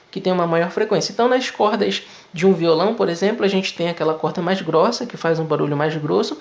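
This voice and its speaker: A man's voice: high voice, vocal fry. A man teaching physics in a video lesson, explaining step by step in a conversational way with frequent tag questions.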